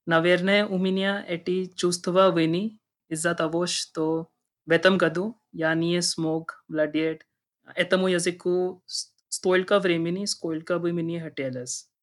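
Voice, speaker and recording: A man's voice: high-pitched, fairly even intonation, a little slow. A man in his twenties from India, a native Hindi speaker with an Indian accent, speaking carefully and formally as an interview guest, a little nervous. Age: 20s. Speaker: podcast guest. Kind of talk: interview conversation in a second language.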